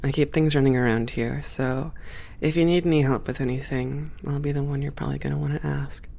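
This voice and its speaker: A creaky, gravel-edged voice carries this friendly female spaceport supervisor, acted out for an ASMR roleplay. She is composed and professional, talking a new hire through things in a measured, welcoming way. The pitch sits in an ordinary middle range. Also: fairly even intonation, darkish tone, lightly acted. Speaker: audio roleplay performer. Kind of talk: ASMR roleplay, one-sided conversation.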